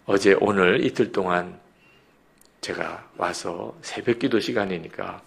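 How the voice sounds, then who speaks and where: Gravelly, husky-voiced male pastor preaching. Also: low voice, measured pace. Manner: retells stories vividly, addresses the congregation directly. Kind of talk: sermon with storytelling. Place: church, dawn prayer meeting.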